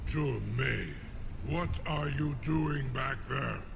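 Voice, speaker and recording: A man playing a proud, cunning ancient dragon in a fantasy game, with a deep gravelly voice and a formal, imperious manner. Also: in a large hall, heavy background noise. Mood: menacing. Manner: slow, deliberate, formal and imperious. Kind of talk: fantasy video game acting.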